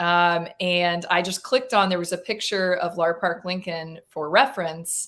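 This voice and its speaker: A woman with an American accent and a fairly low pitch, ordinary pitch variation, a moderate pace and hardly any pauses, in a very clean recording with a silent background. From US Midwest, Omaha, Nebraska. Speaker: actress and touring musician. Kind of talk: interview.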